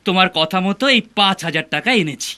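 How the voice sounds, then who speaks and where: A man's voice: sits high, fast talker, sharp tone. A man voicing a meek, nervous clerk in a comic cartoon, hesitant and deferential in manner. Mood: meek, relieved. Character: nervous, guilty clerk, meek and gushingly grateful. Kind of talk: dubbed comic cartoon dialogue.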